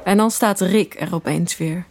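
A woman's voice: on the low side, moderate pace, a little mellow, a little hiss or hum, lightly acted. An actress playing a lovesick woman who narrates her romance in a wry, introspective way in an audio drama. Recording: music behind.

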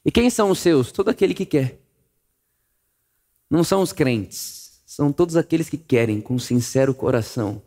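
A man preaching a sermon, telling the story vividly and swinging from loud emphasis to a hush. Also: a little high, moderate pace. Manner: animated storytelling, acting out voices, swings between loud and hushed.

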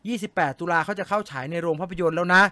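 A man with a high, bright voice chats casually with his live-stream viewers, reading their comments aloud and answering with jokes. His voice sits close to the mic in a dry, deadened space. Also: steady tone, rapid-fire, no echo. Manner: chatty, joking, reads comments aloud and answers them.

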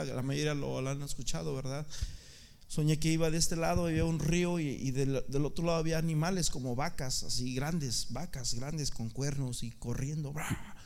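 Male preacher with a high voice, fervent and repetitive, climbing into shouts at his peaks. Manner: impassioned, repeating words, building to shouts. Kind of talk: sermon.

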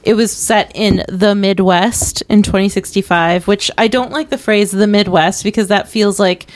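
A woman co-hosts a casual podcast conversation at an ordinary mid pitch. She talks in an opinionated, rambling way, full of fillers and restarts. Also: fairly even intonation, normal speed. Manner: chatty, opinionated, many fillers. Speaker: podcast co-host. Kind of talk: casual film review chat.

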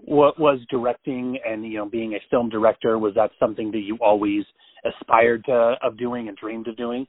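A man's voice: medium pitch, steady tone, moderate pace, no echo. Male host asking rambly questions, tinny dry phone sound. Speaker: podcast host interviewer. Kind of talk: casual interview questions.

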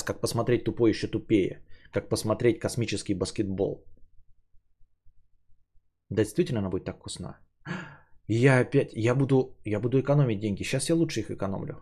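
A podcast host in his thirties rambles on by himself in a lowish, slightly rough voice at a fairly quick clip. He swears casually while musing, moving between livelier and quieter passages.

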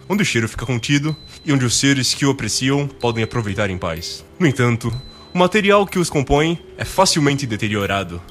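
A man playing a dryly sarcastic, pedantic Brazilian narrator in an amateur radio drama, delivering scripted narration deadpan. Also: mid-range voice, natural voice. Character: measured, dryly sarcastic documentary-style narrator.

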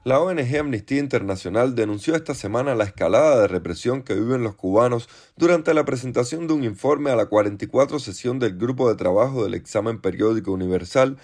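A man presents a news podcast from a script. His voice sits at an ordinary male pitch, and he narrates in formal sentences as the host. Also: a little mellow.

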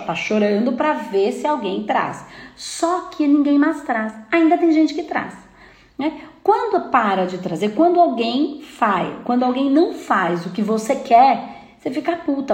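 A woman's voice: high voice, a little mellow. Emphatic Brazilian woman, echoey room. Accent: Brazilian Portuguese. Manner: emphatic, frequent "né?" and "tá?" checks, mimics complainers. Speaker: spiritual speaker. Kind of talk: spiritual self-help talk.

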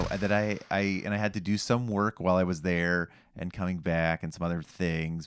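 A man with a fairly low voice co-hosts a casual comic podcast. He jokes in a dry, playful way, and the sound is close, with very little room. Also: smooth, no room sound. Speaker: podcast co-host.

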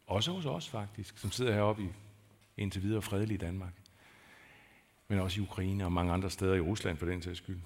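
Low-voiced pastor preaching conversationally. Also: male voice. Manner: conversational, searching for words, rising to emphatic peaks. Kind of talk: sermon. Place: church.

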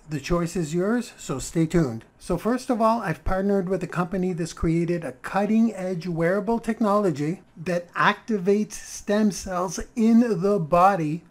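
A man in his fifties delivering a sales pitch straight to the viewer. He talks with eager, persuasive enthusiasm and keeps addressing the listener directly. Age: 50s. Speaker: product promoter.

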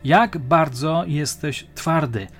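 A man's voice: a little high, slow pace, fairly bright tone, faint music behind. A man voicing a brutal, hard-drinking male police detective who growls his threats in an audiobook. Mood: threatening. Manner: growling, menacing.

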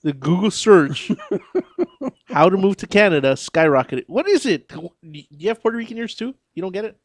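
An American man co-hosting talk radio, his fairly high voice bouncing up and down as he cracks sarcastic jokes. The studio sound is dry and close. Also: normal speed, no echo. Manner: joking, sarcastic, animated. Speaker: co-host. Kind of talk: casual radio banter.

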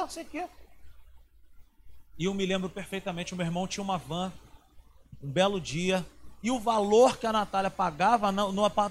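A man, preaching a sermon as a pastor, telling a personal story that swings between hushed and loud passages. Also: high-pitched, slight background noise.

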